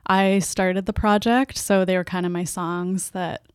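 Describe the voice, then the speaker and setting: A soft-spoken Canadian woman, a band's singer and guitarist, answering interview questions with a hesitant, laughing way of talking. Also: on the low side, fairly even intonation, a little slow, smooth, no room sound, clean studio sound. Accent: Canadian English. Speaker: band's lead vocalist and guitarist.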